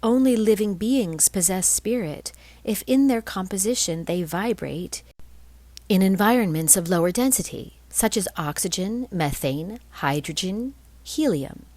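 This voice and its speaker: Slow, expressive woman narrator. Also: medium pitch, dry recording. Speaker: reader of a spiritual blog. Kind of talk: scripted narration, reading a spiritual dialogue aloud.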